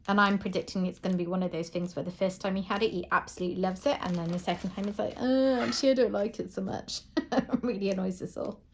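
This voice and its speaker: A middle-aged British woman hosts a craft video from home, chatting casually and rambling as she works, often chuckling. Her voice is medium in pitch, with slight background noise in the recording.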